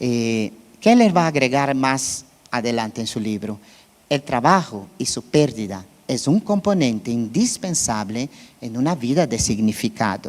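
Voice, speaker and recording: A man with a Portuguese accent at a medium pitch, lively in intonation and fairly slow in pace. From Brazil. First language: Portuguese (speaking Spanish). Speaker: Bible class teacher. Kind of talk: Bible teaching.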